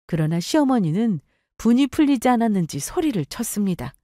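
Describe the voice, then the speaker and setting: A woman narrating a first-person family story in a calm, measured way. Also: fairly high pitch, no echo, studio quality.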